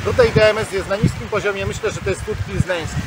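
A man's voice: sits high, quick pace. Man talking with a glass at his lips. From Poland. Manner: chatty, opinionated, addresses viewers directly. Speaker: beer reviewer. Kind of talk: casual vlog beer tasting. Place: outdoors by the seaside. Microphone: camera on a tripod. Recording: loud outdoor noise.

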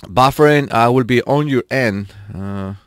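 A man's voice: mid-range voice, measured pace, smooth, no room sound, studio quality. A man live streaming a racing game, chatting casually with his viewers and laughing often. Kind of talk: casual live-stream chat while gaming.

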